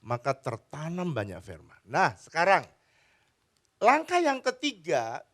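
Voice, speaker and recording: A man preaching a sermon as pastor, telling stories and chatting with the congregation. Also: on the high side. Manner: animated storytelling, chats with the congregation. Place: church.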